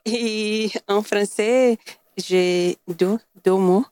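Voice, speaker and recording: A woman from Brazil, whose first language is Portuguese, speaking slowly and searching for words. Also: medium pitch, steady tone, darkish tone, smooth, no echo. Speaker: language learner. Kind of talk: casual sharing.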